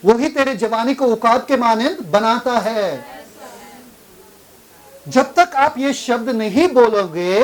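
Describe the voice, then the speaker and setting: A man's voice: high-pitched, poor audio. A man, a pastor, preaching a sermon and pressing the congregation with questions. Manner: questions the congregation and drives for answers.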